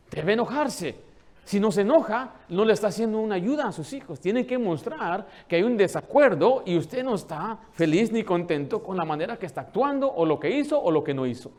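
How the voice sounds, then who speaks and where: A man preaching a sermon as pastor, animated, asking the congregation questions and acting out the people he quotes. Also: high voice. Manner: acts out quoted dialogue in changed voices.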